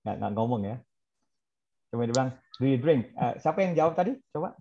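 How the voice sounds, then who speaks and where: A man's voice: mid-range voice, animated, quick pace, lo-fi sound. A man leading a training class, quizzing trainees and mixing English example phrases into his explanations. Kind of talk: interactive online class.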